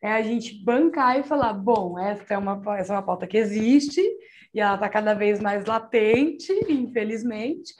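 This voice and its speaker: Engaged woman host, fairly high voice. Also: moderate pace. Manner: affirming and engaged. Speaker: interview host. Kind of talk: conversational interview.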